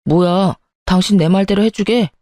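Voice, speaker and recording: A sulky, money-minded young husband from an audio story, as a woman reader puts him on, pitched a little lower than her own voice. The tone is mellow and dark, close and dry, accusing and quick to flare into shouting. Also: no echo, natural voice. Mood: wheedling, sulky. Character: petty, calculating young husband, quick to anger.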